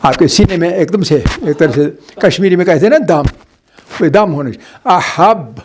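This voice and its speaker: A middle-aged man teaches Quran recitation in a slightly high voice. He stretches syllables slowly to demonstrate each sound, then explains briskly. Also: expressive, noisy background. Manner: slow drawn-out demonstration of syllables. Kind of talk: religious lesson on Quran recitation.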